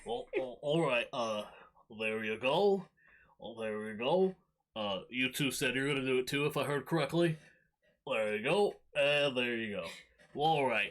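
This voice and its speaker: A man puts on a guttural character voice at a medium pitch, talking at a moderate pace with lively intonation and long, frequent pauses. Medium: actual play. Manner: rambling, hesitant, drawling.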